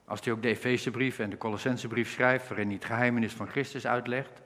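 A man's voice: mid-range voice, fairly even intonation, fairly bright tone. Earnest male preacher in a reverberant hall. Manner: earnest, explains Bible verses, slows for quotations. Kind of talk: sermon.

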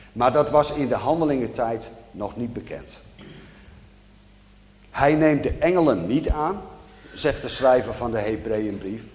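A man preaching a sermon, explaining a Bible passage in a measured, teaching manner. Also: fairly low pitch, darkish tone. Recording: echoey hall with long reverb.

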